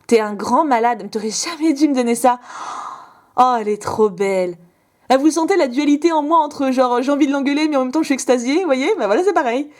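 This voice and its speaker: A young woman with a fairly high voice chats casually to her viewers as she opens fan mail. She gushes over each item with quick exclamations and little asides to the camera. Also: expressive. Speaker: vlogger opening fan mail. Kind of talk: casual unboxing chat.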